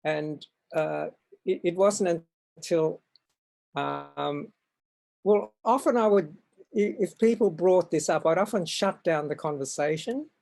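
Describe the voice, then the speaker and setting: Slow, gravelly older Australian man. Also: a little high, darkish tone. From Far North Queensland, Australia. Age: 70s. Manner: hesitant, halting, with frequent ums and restarts. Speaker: guest artist. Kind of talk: reflective storytelling in an interview. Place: at home.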